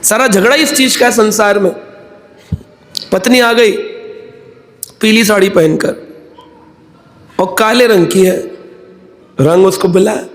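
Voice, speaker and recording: Man with a high voice preaching, chants verses slow then jokes around with examples. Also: reverberant. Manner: chants verses slowly, then explains with playful everyday anecdotes. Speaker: spiritual speaker. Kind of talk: devotional discourse with humorous examples.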